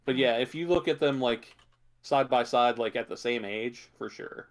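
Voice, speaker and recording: A man's voice: mid-range voice, normal speed. A man co-hosting a podcast, chatting casually about films and shows, thinking aloud as he goes. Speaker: podcast co-host.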